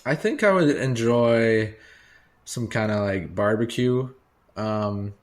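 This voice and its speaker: A man's voice: fairly low pitch, slow. A man co-hosting a podcast, riffing playfully in casual, informal banter. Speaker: podcast co-host.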